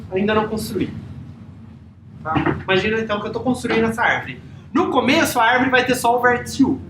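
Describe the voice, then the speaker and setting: A man's voice: very high-pitched, noisy background. Man lecturing in an echoey classroom. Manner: casual, checks in often with the class. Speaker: university lecturer.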